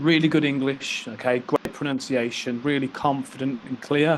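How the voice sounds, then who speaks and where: A man's monotone, flat voice at a fairly high pitch, with noticeable background noise. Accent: British. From Britain. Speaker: English teacher. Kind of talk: online English lesson. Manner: encouraging, clear.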